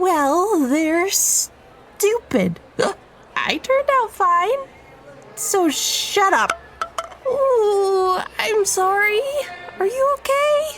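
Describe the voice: A woman does a cartoonish character voice at an extremely high pitch, speaking very slowly with long, frequent pauses. Clear background noise is present.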